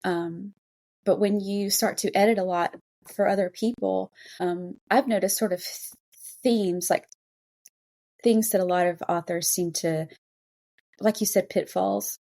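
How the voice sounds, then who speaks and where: Podcast host, woman, mid-pitched voice, casual and encouraging interviewer. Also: fairly even intonation, unhurried, dark tone.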